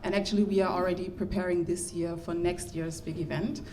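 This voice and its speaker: A woman working in marketing, introducing herself on a live podcast panel in a polite, measured way. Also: lowish voice, fairly even intonation, a little mellow, slight background noise.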